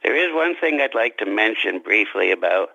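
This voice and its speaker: A man being interviewed as a writer, talking reflectively about his craft in deliberate, halting phrases. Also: fairly low pitch, very animated, gravelly, bright, forceful tone, no echo, lo-fi sound.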